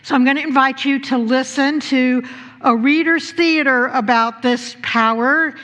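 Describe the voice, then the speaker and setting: A woman minister giving a sermon with stories, speaking deliberately with pauses and rhetorical questions. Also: high-pitched, steady tone, a bit bright. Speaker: minister leading a service. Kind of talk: sermon with storytelling. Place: church sanctuary during a live service. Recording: echoey hall with long reverb.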